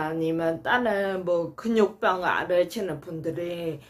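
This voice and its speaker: A woman speaks on a very clean recording where the background is silent. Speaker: vlogger with a rare disease. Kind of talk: personal vlog talk. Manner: halting, with fillers.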